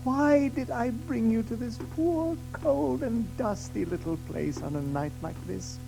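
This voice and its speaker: A woman playing a timid, homesick little male mole in a storybook audio drama, speaking plaintively and haltingly. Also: a little high, animated, vocal fry, over music, poor audio. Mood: despondent.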